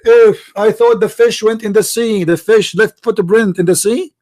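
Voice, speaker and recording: Male debate host, high voice, Arabic accent and native Arabic speaker. Insistent, combative, repeats himself to press the point. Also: normal speed, a little mellow. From Middle East. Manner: confrontational, insistent, repeats phrases and questions. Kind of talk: heated religious debate.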